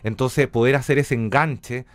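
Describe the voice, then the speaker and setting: A man's voice: mid-range voice, fairly even intonation, unhurried, dry recording. Reflective Chilean man in a radio interview. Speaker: interview guest, journalist and radio theatre director.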